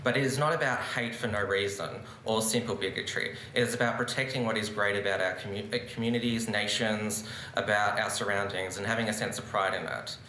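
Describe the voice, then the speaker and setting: A man's voice: on the low side, steady tone, fairly quick, hardly any pauses, pushed and bright, slight background noise. A young man giving an earnest, argumentative debate speech from a lectern at a conference. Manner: earnest, argumentative, gesturing while speaking. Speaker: debate speaker. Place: large conference room with seated audience. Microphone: lectern microphone on a stand. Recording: roomy conference hall echo.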